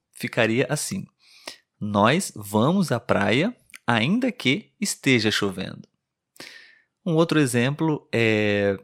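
A man hosting a Portuguese lesson podcast for learners, speaking slowly and clearly, checking in with listeners as he gives examples. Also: medium pitch. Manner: slow, clear teaching delivery with examples. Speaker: Portuguese tutor and podcast host.

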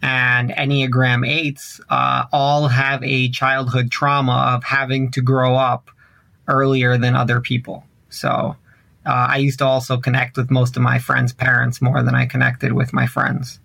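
A man's voice: medium pitch, monotone, measured pace, creaky, sharp tone, no room sound. A man, hosting a conversational podcast interview. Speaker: interview host.

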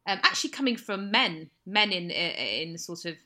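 A woman from England co-hosting a casual chat show, telling stories in a lively, animated way with sudden high bursts. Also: normal speed. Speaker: podcast co-host.

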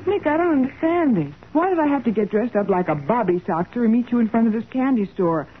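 A woman's voice: a little high, expressive, fast, close to an everyday voice. Pert young woman played by an actress, vintage radio. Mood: puzzled, pert. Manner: pert, complaining. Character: pert young woman, detective's puzzled, plucky assistant. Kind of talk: 1940s radio drama acting. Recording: noisy, narrow-band old radio recording.

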